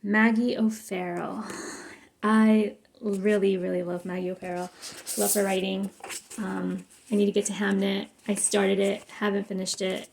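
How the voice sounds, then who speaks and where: A woman's voice: mid-range voice, flat delivery, unhurried, gravelly, darkish tone, slight background noise. A young adult woman from Mexico, a native Spanish speaker, chatting casually and effusively to camera with many fillers and restarts. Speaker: book vlogger.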